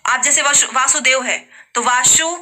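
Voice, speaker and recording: A woman's voice: high-pitched, normal speed, bright, forceful tone. A woman teaching a grammar lesson in speech, patiently repeating examples aloud for her students.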